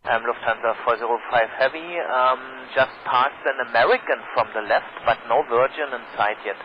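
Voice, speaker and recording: A man's voice: mid-range voice, normal speed. A man in a procedural exchange over aviation radio. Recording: dull aviation radio with faint noise.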